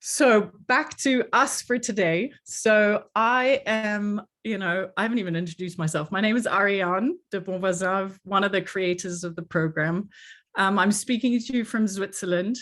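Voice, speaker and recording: A woman's voice: mid-range voice, moderate pace, fairly bright tone. A middle-aged woman with a mixed international English accent that is hard to place, hosting an online workshop as a coach in an earnest, chatty way with many fillers, speaking over a video call.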